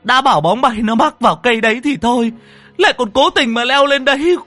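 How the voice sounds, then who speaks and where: A man voicing a grief-stricken young mother, wailing loudly in a high voice. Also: lively intonation, fairly quick, dry recording, soft background music, heavily acted.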